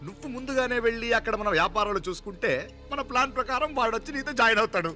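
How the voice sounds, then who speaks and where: An actor playing an older male head of the family who gives orders and shouts at a servant. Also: extremely high pitch, racing, faint music behind. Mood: scheming. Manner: commanding, shouting, bright and tense. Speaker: film character. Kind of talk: film dialogue.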